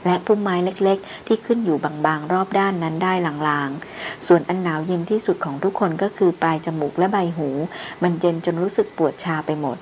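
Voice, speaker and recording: A woman reads a novel aloud in steady, even narration. Her voice is on the low side, and a faint background hiss runs under it. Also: a little fast, low-quality recording. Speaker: audiobook narrator.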